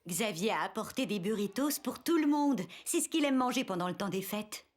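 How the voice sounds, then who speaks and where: A woman's voice: medium pitch, animated, fairly quick, natural voice. A woman voicing a kind daycare teacher in a children's cartoon, explaining things simply. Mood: kind, welcoming.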